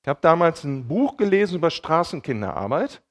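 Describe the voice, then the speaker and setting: A man preaching a sermon in a casual, colloquial way, often checking in with his listeners with short tag questions and retelling dialogue as lively acted quotes. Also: a little high, a little fast. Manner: colloquial, keeps checking in with "ja?" and "okay?".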